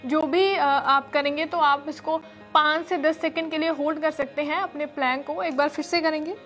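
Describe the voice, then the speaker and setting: In a studio with a red floor and dark curtains, a young woman with a high voice leads a yoga class. She gives calm, step-by-step instructions and often pauses on fillers. Her lapel mic picks up faint background music.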